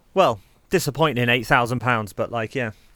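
With a British accent, a man speaks at a medium pitch with ordinary pitch variation. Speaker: podcast host. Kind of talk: casual interview chat. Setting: remote call.

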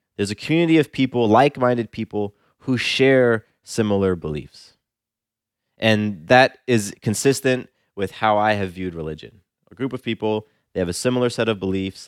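In a normal speaking voice, a man with a fairly low pitch uses ordinary pitch variation, recorded very cleanly against a silent background with a dry, close sound and no echo. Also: moderate pace. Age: 30s. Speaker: podcast host. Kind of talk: solo monologue podcast. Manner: reflective, with many fillers.

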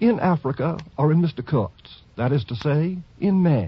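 A man talks with lively intonation at a fairly high pitch. He has a normal speaking voice. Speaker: intermission commentator, author. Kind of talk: scripted literary commentary. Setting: speaking from New York.

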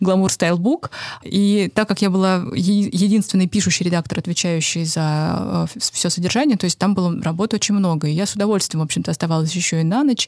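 In a normal speaking voice, a woman talks at a fairly quick pace with medium pitch and ordinary pitch variation, the sound dry and close with no echo. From Kalmykia, Elista. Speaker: magazine editor-in-chief. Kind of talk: casual chat. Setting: studio.

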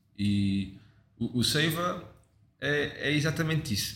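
A man speaks in a somewhat breathy voice. Audible room echo surrounds the recording. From Portugal, Setúbal. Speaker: chef and restaurant owner. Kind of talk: casual interview. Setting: restaurant.

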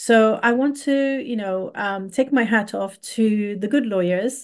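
Over a quiet background, a woman with a French accent speaks in a medium pitch with ordinary pitch variation. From Paris, France. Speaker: podcast host, spiritual coach. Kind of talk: solo podcast monologue, storytelling. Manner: conversational, hesitant with fillers.

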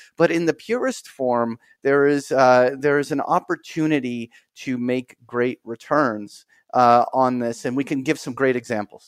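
In a very clean recording with a silent background and a dry, close sound with no echo, a man talks at a fairly slow pace with medium pitch and fairly even intonation. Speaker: options trader. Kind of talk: interview. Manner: halting.

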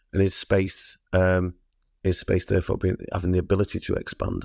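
A man's very deep, low voice with a dark, mellow tone, at a fairly quick pace, in a dry, close sound with no echo and a very clean recording with a silent background. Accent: northern English. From northern England, Manchester area. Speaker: listener asking a question. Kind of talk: recorded listener question.

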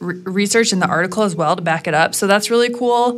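A woman at medium pitch with a plain, everyday voice speaks at a fairly quick pace with ordinary pitch variation. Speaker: podcast resource researcher. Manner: casual, uses filler words.

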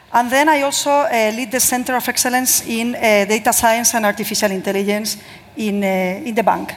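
A woman's fairly high voice at a moderate pace with ordinary pitch variation and noticeable background noise. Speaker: bank executive. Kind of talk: panel discussion. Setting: stage with audience.

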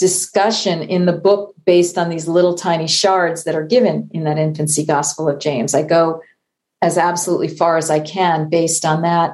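A woman with a fairly low pitch and a plain, everyday voice talks at a moderate pace. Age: 50s. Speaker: scholar of religious history. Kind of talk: interview conversation.

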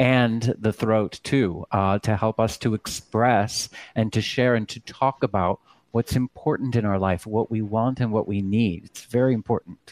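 Speaking with an American accent, a man uses medium pitch and fairly even intonation at a fairly slow pace. His is an unremarkable speaking voice, with a dry, close sound and no echo. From Texas. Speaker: yoga teacher and author. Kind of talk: interview.

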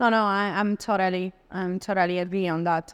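With a Spanish accent, a woman speaks at a fairly slow pace with fairly even intonation. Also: very clean recording, silent background. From Argentina. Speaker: podcaster, journalist. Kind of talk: casual chat.

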